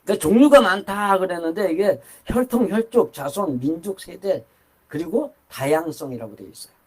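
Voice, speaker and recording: A man's voice: high voice, expressive, normal speed, breathy edge. An older man preaching a sermon in a conversational, rambling way, with asides and restarts. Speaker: pastor.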